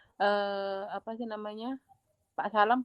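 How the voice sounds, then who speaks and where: With a dry, close sound and no echo, a woman talks in a monotone, flat intonation at a fairly high pitch. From Java. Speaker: online class participant. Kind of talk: testimony. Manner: halting, many fillers.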